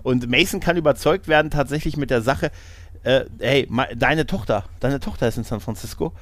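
A man's voice: medium pitch, fairly quick. Male podcast host: loose, rambling retelling of a film, keeps checking in with his co-host. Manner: rambling retelling, frequent tag questions and laughs. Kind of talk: casual film discussion.

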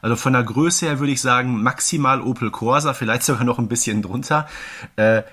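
A man's voice: medium pitch, fairly quick, a bit bright, breathy edge. A man chatting casually and emphatically as an enthusiastic podcast co-host. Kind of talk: casual chat reviewing an audio drama.

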